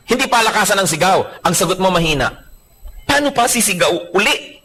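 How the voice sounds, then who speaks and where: Lively bright-voiced preacher man. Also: mid-range voice, breathy edge, rough recording. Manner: lively and humorous, acting out quoted people; mixes in English phrases and Bible verses. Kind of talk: sermon.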